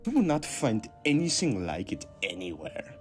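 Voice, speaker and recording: A man's voice: on the low side, wildly swooping pitch, normal speed, faint music behind. A man voicing a desperate Austrian man who begs and wheedles in a strained voice with an Austrian accent, in a comic monologue. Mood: wheedling. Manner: begging, salesman-like wheedling. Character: desperate, pleading Austrian man begging for a tank.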